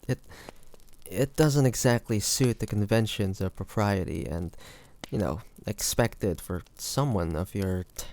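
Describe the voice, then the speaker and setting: A man playing a flirty, teasing bodyguard to a noble in an intimate fantasy audio roleplay, with playful, halting delivery. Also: lowish voice, a little mellow. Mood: teasing, chiding. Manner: playful, teasing, halting pauses, often chuckling.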